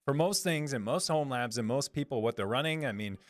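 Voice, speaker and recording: A man hosting a live stream and answering chat in a rambling, upbeat way, with lots of fillers and restarts. His voice is a little lower than usual today. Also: expressive, a little fast, dry recording.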